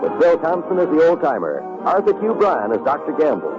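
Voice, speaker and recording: A male radio announcer reading promotions in a smooth, lively voice with a wide, animated pitch. Music plays behind him on a dull old transcription. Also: brisk. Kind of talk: scripted announcement.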